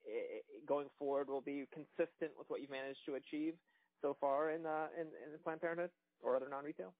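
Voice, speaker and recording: A man's voice: fairly high pitch, fairly even intonation, brisk, dry recording. Man asking questions over tinny phone line. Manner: hesitant, meandering questions. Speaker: financial analyst asking questions. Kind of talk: earnings call questioning. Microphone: telephone conference call.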